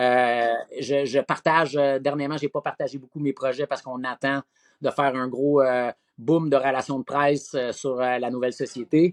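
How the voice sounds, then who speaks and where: A man speaks at a moderate pace with a fairly high pitch and monotone, flat intonation. The sound is dry and close, with no echo. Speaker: singer-songwriter and former hockey player. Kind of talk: podcast interview. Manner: loud; hesitant, many fillers and repetitions.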